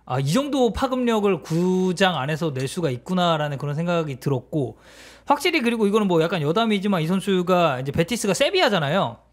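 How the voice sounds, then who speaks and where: A man on a football talk show, telling stories in a casual, animated way, with many drawn-out fillers. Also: high voice. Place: studio.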